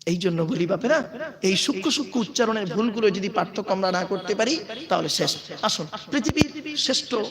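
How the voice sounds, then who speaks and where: A man preaching at a religious gathering, emphatic, quizzing the crowd and calling out to his listeners. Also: sits high. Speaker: Islamic preacher and school teacher. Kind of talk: Bengali waz sermon to a crowd. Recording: crowd noise behind.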